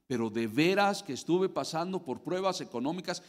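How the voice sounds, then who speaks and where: A Mexican man preaching a sermon as pastor, dramatic, swinging from loud bursts to low murmurs. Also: animated, moderate pace, long reverb tail.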